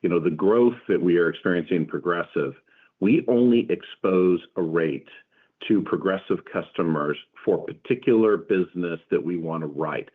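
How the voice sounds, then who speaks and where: A man answering questions as a company executive on an earnings call, in measured corporate explanation. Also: low voice. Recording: muffled phone-like conference call line.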